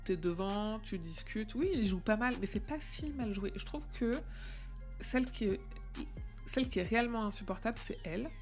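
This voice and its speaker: A woman's voice: mid-range voice, animated, normal speed, faint music behind. A woman hosting a casual live stream, chatting with viewers and using plenty of fillers and restarts.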